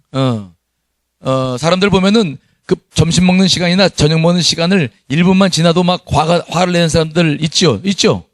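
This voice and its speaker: A man's voice: fairly high pitch, dry recording, studio quality. A middle-aged man preaching a sermon as pastor, reading scripture aloud with his congregation and chuckling at his own past.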